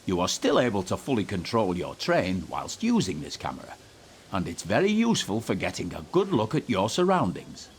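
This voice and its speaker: A man with a lowish voice narrates a scripted tutorial for a children's train game, calm, instructive and encouraging as he guides young train drivers. His pitch swings hugely, he speaks at a normal speed, and there's a little hiss or hum on the recording.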